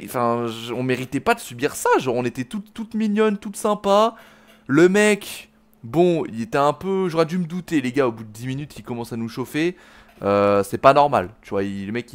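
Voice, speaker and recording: A man, angry, swearing and slangy, commenting on a video game he plays and talking to his viewers. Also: mid-range voice. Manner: swearing, slangy, talks to viewers as "les gars". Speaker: gaming video host. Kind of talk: let's play commentary.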